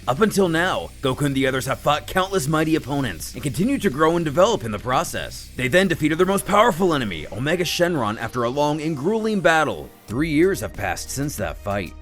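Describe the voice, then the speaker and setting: Animated male narrator, wry and dramatic. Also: on the high side. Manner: dramatic storyteller with wry, joking asides. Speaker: narrator of a fan manga recap video. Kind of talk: scripted story recap narration.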